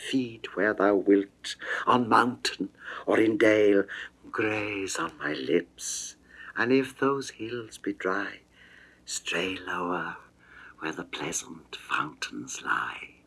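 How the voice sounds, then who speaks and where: A man's voice: fairly low pitch, lively intonation, slow, fairly bright tone, exaggerated voice. A man voicing a lovesick, seductive goddess who pleads and coaxes in theatrical classical verse. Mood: hushed, seductive. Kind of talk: classical dramatic verse reading.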